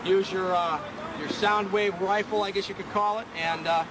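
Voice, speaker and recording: A man's voice: high-pitched, fairly even intonation, normal speed, recorded from a distance, rough recording. A man explaining things on location outdoors as a military spokesman. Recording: loud crowd and outdoor noise.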